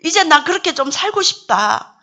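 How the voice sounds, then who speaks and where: Lively, bright-voiced woman giving testimony. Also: very high-pitched, moderate pace. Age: middle-aged. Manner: emotional storytelling, acting out her prayers aloud. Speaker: missionary wife giving testimony. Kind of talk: church testimony.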